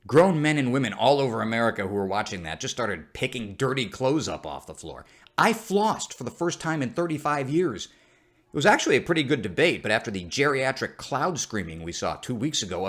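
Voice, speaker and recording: A man's voice: medium pitch, sing-song, fairly quick, a bit bright. A man delivering scripted comedic news commentary as the host of a satire show, in the manner of a parody news anchor.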